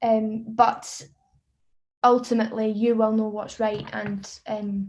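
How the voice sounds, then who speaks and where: A woman with a Scottish accent speaks very slowly at a fairly high pitch, somewhat breathy. Her intonation stays fairly even while her loudness swings widely. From Scotland, Dundee. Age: 20s. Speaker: singer-songwriter. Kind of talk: online songwriting workshop. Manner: hesitant, many fillers and repetitions; casual.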